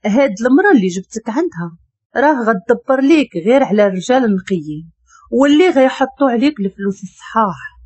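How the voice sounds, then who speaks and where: A woman's voice: on the high side, sing-song, fast talker, a little mellow, breathy edge, no room sound. A woman voicing a scheming young woman from the neighborhood, speaking in a cool, blunt, persuasive way with a Moroccan accent. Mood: coaxing.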